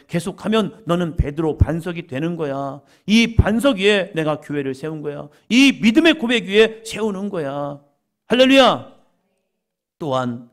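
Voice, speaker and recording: A middle-aged man preaching a sermon as pastor, acting out dialogue with sudden loud, emphatic rises. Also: fairly high pitch.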